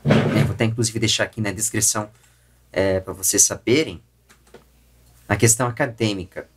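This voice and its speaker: A man with a Brazilian accent gives opinion commentary as a YouTube host, explaining in a halting way and often correcting himself. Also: lowish voice, fairly even intonation, breathy edge.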